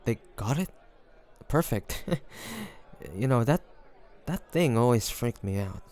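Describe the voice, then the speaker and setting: With some chatter in the background, a man with a darkish mid-range voice plays a devoted fantasy adventurer and healer who is tender toward his dragon beloved. Speaking slowly and animatedly to the listener in this dramatic audio roleplay, he sounds guarded, shocked and determined, intimate and earnest, with breathy sighs.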